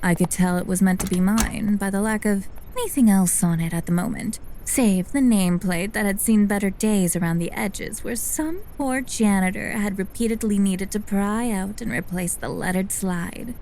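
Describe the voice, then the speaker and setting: A senior female scientist, played by an actress, recounts her memories for an audio drama with dry, clinical amusement. Her voice is soft-edged and mellow at a medium pitch. She is articulate and deadpan, over faint background noise. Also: moderate pace, hardly any pauses, lightly acted, poor audio. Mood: wry, measured. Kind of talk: scripted first-person audio drama narration.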